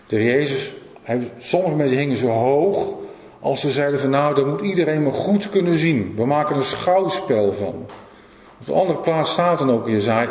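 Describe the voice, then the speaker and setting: A man preaches a sermon, earnest and given to repeating his phrases and putting questions to the listeners. His voice sits at an ordinary pitch for a man. It carries through a roomy church hall with a long echo, recorded with a dull, lo-fi sound. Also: a little mellow.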